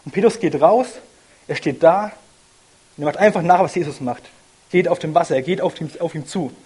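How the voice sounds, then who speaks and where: Young man, informal sermon, earnest, personal, husky, slightly high voice. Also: brisk, darkish tone. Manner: earnest, personal, thinks aloud with restarts. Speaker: lay preacher.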